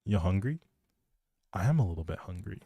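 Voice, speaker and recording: Male game streamer, mellow dark tone, informal rambling delivery, recorded dry and close on mic. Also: low-pitched, animated, a little fast, breathy edge, no room sound. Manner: informal, thinking out loud. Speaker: live streamer.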